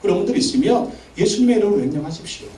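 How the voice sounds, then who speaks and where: In a large church sanctuary, a male pastor preaches a Sunday sermon with emphatic, commanding declarations, repeating phrases for emphasis. His voice is high-pitched and warm, with lively intonation and a very fast pace. The recording is echoey, picked up by a distant mic.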